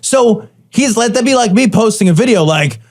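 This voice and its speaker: Male podcast co-host, high and animated, scornful and emphatic. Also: normal speed. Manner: indignant, sarcastic, emphatic repetition. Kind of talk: casual chat.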